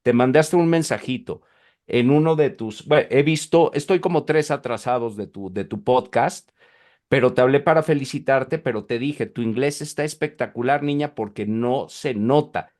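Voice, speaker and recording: A man with a Mexican Spanish accent hosts a relaxed podcast interview. His voice sits at an ordinary mid pitch, and he often stalls and repeats words as he works toward a question. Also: moderate pace. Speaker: podcast host. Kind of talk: casual interview.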